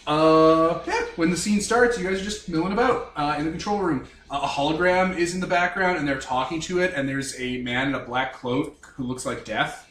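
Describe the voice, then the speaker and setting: A man's voice: fairly high pitch, brisk, hardly any pauses, a bit bright, echoey room, recorded from a distance. A man running a tabletop game as game master, setting scenes with wry, jokey narration.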